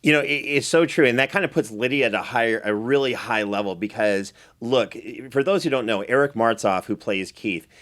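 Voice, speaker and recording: A man's voice: mid-range voice, fairly quick, hardly any pauses, fairly bright tone. Male podcast host, mid-range voice, effusive and conversational, steering a recap discussion. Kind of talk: chatty recap show hosting.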